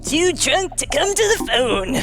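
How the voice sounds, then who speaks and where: A woman's voice: high voice, big pitch swings, a little slow. A woman hosting a Let's Play with casual, sardonic, sweary commentary. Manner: sardonic, profane. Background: game music.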